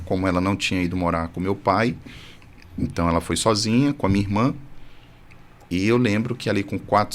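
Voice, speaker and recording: A man's voice: sits low, slight background noise. Earnest priest telling his story in a studio. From Brazil, born in Salvador. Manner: earnest, animated storytelling with light humor. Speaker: priest, podcast guest. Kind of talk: testimony in casual conversation. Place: podcast studio.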